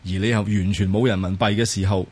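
A man with a Hong Kong Cantonese accent giving modest, explanatory answers as an interview guest, with hesitant pauses. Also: fairly low pitch, fairly even intonation, a little mellow, slightly rough. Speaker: interview guest, former tech company employee. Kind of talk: casual interview talk.

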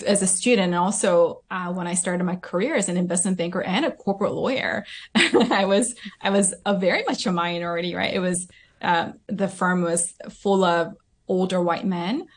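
A woman's voice: fairly low pitch, normal speed. A woman from Southern California, in her thirties, answering interview questions as a coach, reflective and often adding "right?" to her points. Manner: reflective, frequent "right?" tags and fillers.

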